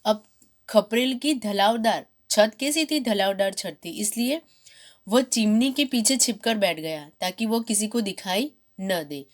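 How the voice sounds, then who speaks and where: A woman teacher reading a children's story from a textbook, then going back over each line to restate it simply. Her voice sits at an ordinary middle pitch, with a steady, explanatory classroom manner. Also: a little slow. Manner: reads each sentence, then repeats and paraphrases it.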